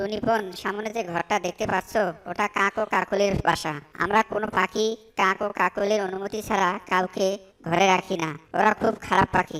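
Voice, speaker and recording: This is a cartoonish character voice that sounds female. It sits at a medium pitch and moves at a moderate pace. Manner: nervous, hesitant.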